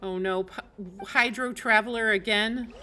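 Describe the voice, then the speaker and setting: A woman doing casual live gameplay commentary, playful, excitable and quick to react. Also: medium pitch, noisy background. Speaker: game streamer. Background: game music.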